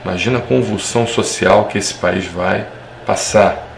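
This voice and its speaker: A man's voice: sits low, fairly even intonation, moderate pace, creaky. A man, a doctor, giving an impassioned commentary to camera, emphatic and repetitive, piling up long lists of points. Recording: echoey room with faint noise.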